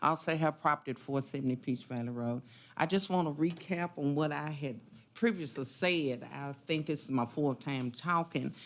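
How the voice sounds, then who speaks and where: A woman with a rural Tennessee accent talks at a moderate pace with very deep, low pitch and ordinary pitch variation. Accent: US Southern, rural Tennessee. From Tennessee, rural Gallatin area. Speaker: resident speaking at public comment. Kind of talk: public comment at council meeting.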